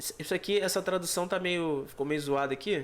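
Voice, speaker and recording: In a very clean recording with a silent background, a man speaks fairly slowly with ordinary pitch variation. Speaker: political commentary youtuber. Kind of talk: commentary reading document aloud. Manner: halting.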